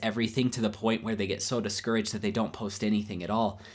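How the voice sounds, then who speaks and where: Flat, monotone intonation from a man at medium pitch, in a very clean recording with a silent background. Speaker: piano teacher and video creator. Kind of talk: tutorial. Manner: fast.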